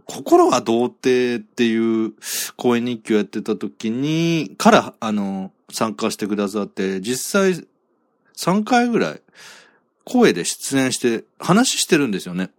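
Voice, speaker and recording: Male solo podcaster, low voice, animated delivery, dry close sound, wry and rambling. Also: no echo. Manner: rambling, self-deprecating, chuckles often. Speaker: podcast host. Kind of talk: solo podcast reading listener comments.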